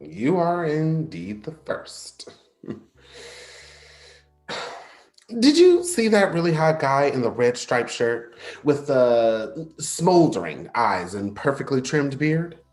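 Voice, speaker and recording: Man acting sardonic, very animated gay clubgoer, roomy sound. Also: mid-range voice, slow. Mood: teasing. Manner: teasing, sarcastic, dramatic. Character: flirty, sardonic, insecure gay man at a club. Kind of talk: staged play reading. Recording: roomy sound, faint music behind.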